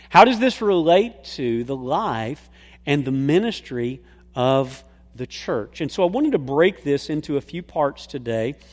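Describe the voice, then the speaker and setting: A man with a plain, everyday voice and a fairly high pitch speaks at a fairly slow pace with lively intonation, in a very clean recording with a silent background. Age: 50s. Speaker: pastor. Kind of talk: sermon. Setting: church.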